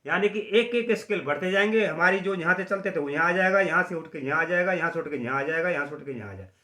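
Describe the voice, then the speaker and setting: A man teaching a singing lesson at the harmonium, slowly explaining notes and singing short chant phrases. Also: on the high side, bright, forceful tone, reverberant. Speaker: music teacher.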